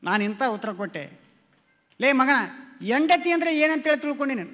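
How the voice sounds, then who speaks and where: A man's voice: very high-pitched, sing-song, normal speed, sharp tone, long reverb tail. A man doing standup comedy on stage before an audience, telling stories and acting out quoted lines with his wife.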